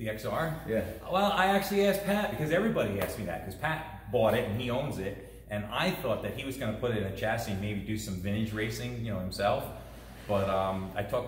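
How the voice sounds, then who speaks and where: Delivered at a very fast clip, the speech has very wide pitch swings, audible room echo and light background noise. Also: man. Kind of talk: interview answer. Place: shop. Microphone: camera far.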